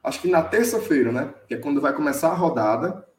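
A man's voice: a little high, lively intonation, fast talker, darkish tone, reverberant. A man with a Ceará accent co-hosting a live stream, chatting casually and greeting viewers by name between jokes. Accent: Northeastern Brazilian, Ceará. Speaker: live show co-host and teacher.

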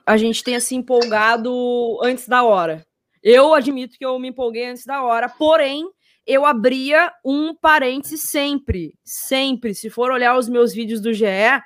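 A woman's voice: high-pitched, a bit bright, no echo, studio quality. A woman, commenting on sports in an emphatic, opinionated way and repeating her points for force.

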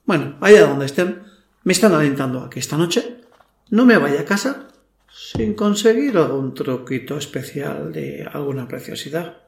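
A man's voice: on the high side, creaky. An actor playing a cocky, lustful young man in a werewolf costume, narrating his night in slangy, self-mocking audio fiction. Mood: boastful. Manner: slangy, boastful, talks to himself. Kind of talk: first-person audio fiction narration with dialogue. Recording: roomy echo, faint music behind.

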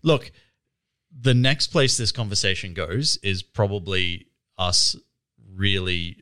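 A man's voice: low-pitched, slow pace, sharp tone, clean tone, no room sound, studio quality. A man co-hosting a podcast, teasing dryly and laughing often. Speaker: podcast co-host. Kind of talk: casual chat.

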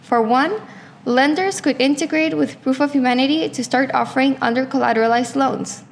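A woman hosting a podcast, reading smoothly from a script and chatting with many fillers. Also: high-pitched, moderate pace, slight background noise. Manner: smooth reads, then hesitant with many fillers. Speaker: podcast host. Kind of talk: podcast hosting and sponsor reads.

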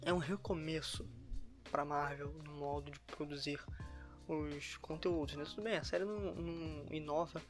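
Brazilian guy talking solo on a podcast, slightly high voice, bit of music behind. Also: steady tone, normal speed. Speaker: podcast co-host. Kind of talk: solo podcast commentary recorded afterwards. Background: background music.

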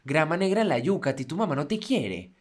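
A man's voice: on the high side, sing-song, quick pace. A man with a Venezuelan accent co-hosting a podcast, telling loose, joking stories full of slang in casual chat. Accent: Venezuelan Spanish. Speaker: podcast co-host.

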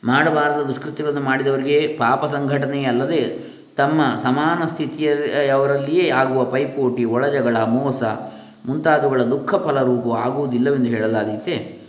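A man reading a philosophical teaching aloud at a measured pace, slowing down to chant scripture verses. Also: mid-range voice, steady tone. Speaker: reader of a spiritual text. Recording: roomy echo, faint hiss.

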